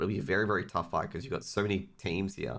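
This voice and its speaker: The recording is very clean, with a silent background. A man talks with vocal fry at a very deep, low pitch. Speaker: esports commentator. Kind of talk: casual talk to camera.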